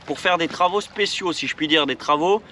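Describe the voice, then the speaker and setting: Bright high-voiced chatty vlogger man. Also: fairly quick, a little hiss or hum. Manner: playful, jokey, addresses viewers as friends. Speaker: vlogger giving job tips. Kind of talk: upbeat casual vlog.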